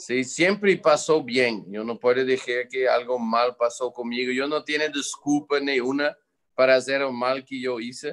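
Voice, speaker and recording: A man with a Portuguese accent speaks at a fairly slow pace and medium pitch, with ordinary pitch variation. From Netherlands. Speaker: missionary. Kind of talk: testimony.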